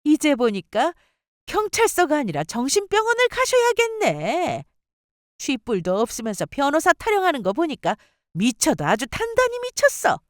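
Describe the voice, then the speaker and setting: A woman's voice: high-pitched, wildly swooping pitch, normal speed, dry recording, clean studio sound, pitched above the performer's own voice. A woman voicing a shrieking, vicious mother-in-law. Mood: sneering rage. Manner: screeching, sneering insults. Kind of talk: story radio acting.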